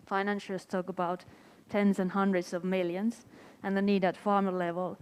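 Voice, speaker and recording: A woman's voice: mid-range voice, flat delivery, normal speed, clear, resonant tone. A woman panelist speaking earnestly and plainly. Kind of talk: panel discussion remarks.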